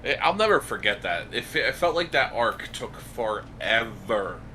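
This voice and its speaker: A man's voice: medium pitch, sing-song, moderate pace, bright, forceful tone, a little hiss or hum. A man in his thirties, a player joking around in casual chat on an online call. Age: 30s.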